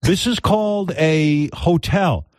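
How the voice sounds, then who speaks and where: A man voicing a patient young man who explains everyday things to his girlfriend in a plain, steady tone. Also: a little high, slow pace, no echo, clean studio sound, voice pushed up.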